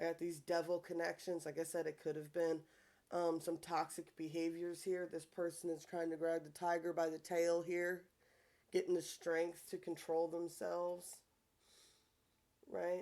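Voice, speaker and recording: This woman has a dark, mellow tone and a fairly low pitch, and she speaks at a moderate pace. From South Carolina and Long Island, New York. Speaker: tarot reader. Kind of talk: tarot reading. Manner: casual, animated.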